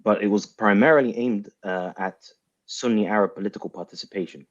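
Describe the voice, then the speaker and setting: A man with a very low voice gives political analysis as a panel guest. He feels his way through phrases and puts rhetorical questions to make his point. The sound is somewhat muffled and lo-fi. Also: a little fast. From grew up in the West, of Iraqi background. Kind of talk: spoken political analysis in an online panel debate.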